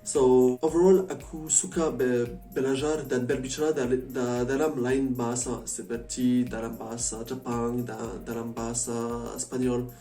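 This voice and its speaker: A man from France with a French accent chatting casually as a vlogger, a foreigner speaking halting learner's Indonesian and often slipping into English. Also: mid-range voice, fairly even intonation, dark tone. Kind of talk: casual chat to camera. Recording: echoey room, distant mic, faint music.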